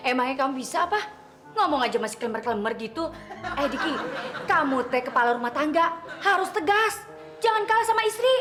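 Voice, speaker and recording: A touchy, melodramatic big sister. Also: female voice, high voice, animated, a little fast, over music. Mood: indignant. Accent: Sundanese-tinged Indonesian. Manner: indignant, melodramatic. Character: touchy older sister Teteh, dramatic.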